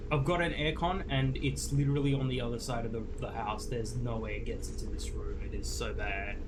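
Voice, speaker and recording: A man with an Australian accent talks at a fairly quick pace with hardly any pauses, over noticeable background noise and audible room echo. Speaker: video game streamer. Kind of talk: casual gaming livestream chat. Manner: rambling, halting with repetitions.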